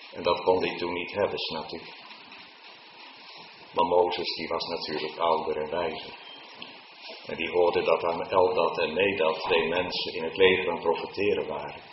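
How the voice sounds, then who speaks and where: Deep slow dutch-style pastor guy preaching, booming echoey church, kinda muffled. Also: noisy background. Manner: rises to loud, high, drawn-out preaching at climaxes. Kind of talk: sermon.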